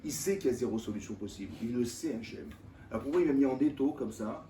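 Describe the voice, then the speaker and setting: A man, a rabbi, giving an informal Torah lesson to a live audience in a colloquial, animated way, throwing rhetorical questions at his listeners. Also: medium pitch, fast. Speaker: rabbi teaching a Torah class. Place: lecture room with live audience. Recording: echoey room, mic at a distance, faint background noise.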